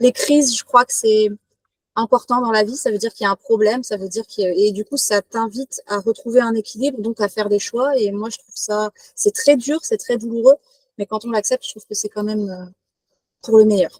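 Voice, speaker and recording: In a dry, close recording with no echo, a woman speaks fairly quickly in a fairly high, somewhat breathy voice with fairly even intonation and big swings in loudness. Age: 30s. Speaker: author and ceremony officiant. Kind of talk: interview testimony. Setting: podcast.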